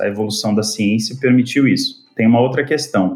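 In an ordinary speaking voice, this man delivers his words at a moderate pace. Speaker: dermatologist. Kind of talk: expert interview.

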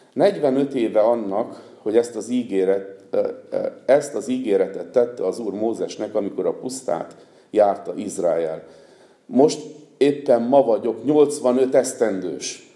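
A man speaks very slowly at a medium pitch. His intonation is lively. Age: old. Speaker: pastor. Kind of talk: sermon. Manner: halting.

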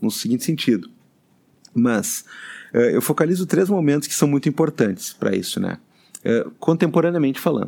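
Long, frequent pauses break up this moderate-paced delivery, whose dark, mellow tone carries vocal fry and very wide pitch swings. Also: man, fairly high pitch for a man. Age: 40s. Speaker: law professor and podcaster. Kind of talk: casual academic discussion.

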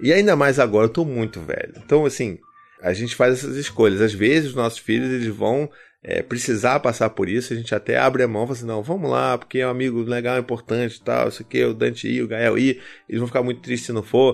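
The background is quiet while a man rattles along at a very fast pace. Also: medium pitch for a man, ordinary pitch variation. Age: 30s. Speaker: parenting podcaster and author. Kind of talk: casual monologue.

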